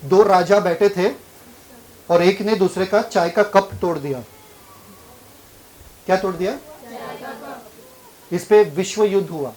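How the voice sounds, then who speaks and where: A man's voice: high voice, slow pace, long pauses, a little mellow, rough recording. A man, a pastor, preaching a sermon and pressing the congregation with questions. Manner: questions the congregation and drives for answers.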